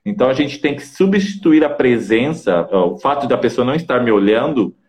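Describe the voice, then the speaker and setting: A man's voice: medium pitch, lively intonation, a little fast, a little mellow. A man with a Brazilian Portuguese accent coaching on communication, in a didactic way that keeps checking in with short tags. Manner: didactic, peppers speech with "tá?" and "né?". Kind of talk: casual advice talk in an online interview.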